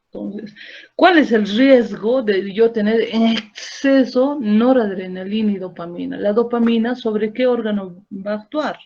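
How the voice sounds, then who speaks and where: Gravelly-voiced woman lecturing students. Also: mid-range voice, measured pace, darkish tone. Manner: explains step by step, checks in with rhetorical tag questions and quizzes students. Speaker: medical lecturer. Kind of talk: classroom lecture. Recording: dull lo-fi recording.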